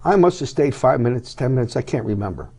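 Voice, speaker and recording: A man's voice: medium pitch, sing-song, fast talker, mellow, husky. A middle-aged man, a guest on a TV talk show, telling an emotional personal story and acting out what each person said. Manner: dramatic, acts out each person's lines in the retelling. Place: TV studio.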